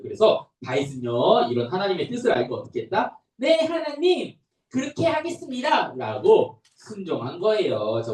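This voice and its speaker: Young guy pastor doing a kids sermon, high bouncy singsong voice, echoey church room, mic kinda far. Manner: animated, sing-song storytelling to toddlers. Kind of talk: children's sermon.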